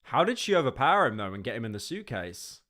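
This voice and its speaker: A man's voice: mid-range voice, big pitch swings, fast, sharp tone. A man streaming live, chatting casually and rambling as he reacts to videos and talks to his chat. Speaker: livestreamer. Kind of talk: casual livestream reaction commentary.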